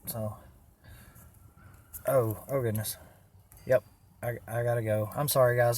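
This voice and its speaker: A man speaks with a somewhat breathy voice. His intonation stays monotone and flat. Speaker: YouTuber doing live Q&A on homemade electronics. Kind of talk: live stream Q&A. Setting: live stream from laptop. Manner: halting, many fillers and repeats.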